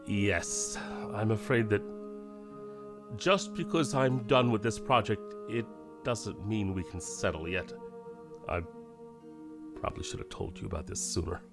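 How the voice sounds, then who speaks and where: A man's voice: on the low side, unhurried, over music. A man playing an anxious, protective middle-aged scientist father in an audio drama, speaking hesitantly, carefully and earnestly. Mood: uneasy.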